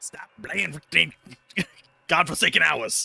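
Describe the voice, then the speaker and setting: A raspy, put-on character voice talks at a very slow pace. The sound is dry and close with no echo. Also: man. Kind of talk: scolding, dramatic. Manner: silly, put-on.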